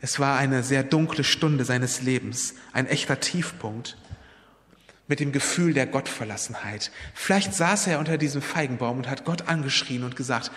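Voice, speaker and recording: A man's voice: mid-range voice, moderate pace, a bit bright. Earnest male preacher in a reverberant hall. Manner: earnest, storytelling, personal appeals. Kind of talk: sermon.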